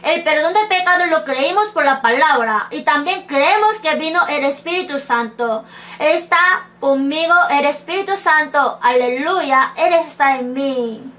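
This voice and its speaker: A woman's voice: high-pitched, a little slow, sharp tone. A woman preaching a sermon, reading scripture verses aloud and asking rhetorical questions. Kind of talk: slow sermon.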